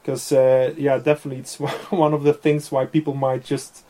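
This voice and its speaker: A software developer with Dutch as his native tongue speaks English as an interview guest, in a medium-pitched, warm voice with little pitch movement and a moderate pace. The interview is casual, with many fillers and plenty of laughing.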